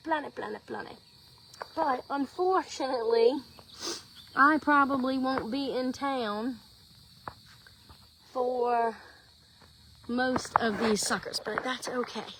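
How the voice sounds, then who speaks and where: A woman's high voice with an American accent, ordinary pitch variation, a very slow pace and long, frequent pauses, over noticeable background noise. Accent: Louisiana Cajun-tinged Southern US. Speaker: reality TV personality and gator hunter. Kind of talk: casual livestream chat. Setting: outdoors in a garden, live stream. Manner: casual, hesitant with fillers.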